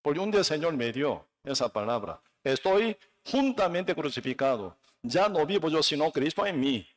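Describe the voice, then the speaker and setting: A man from Korea preaching a sermon with a Korean accent, non-native and halting in his phrasing, emphatic, with frequent tag questions. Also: fairly high pitch, very animated. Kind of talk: sermon with personal testimony.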